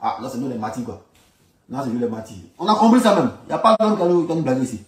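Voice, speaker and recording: A mid-range, sing-song voice comes out rapid-fire from this man with an Ivorian accent. He speaks colloquially on politics in an informal commentary, repeating phrases for emphasis, recorded in an echoey room away from the microphone.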